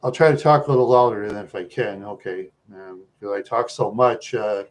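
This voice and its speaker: A man's voice: on the low side, normal speed. Chatty, rambling American man livestreaming. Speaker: livestream host. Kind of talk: casual livestream chat with viewers.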